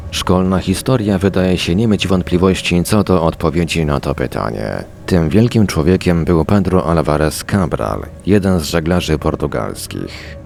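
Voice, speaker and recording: A male narrator with a low voice reads prepared text for a radio audiobook. His delivery is formal and measured, in the manner of a storyteller presenting written accounts. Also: vocal fry, a little mellow, slight background noise. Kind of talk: scripted narration, audiobook reading.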